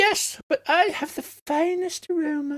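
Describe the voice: A put-on character voice, creaky and squeaky at an extremely high pitch, moves at a moderate pace.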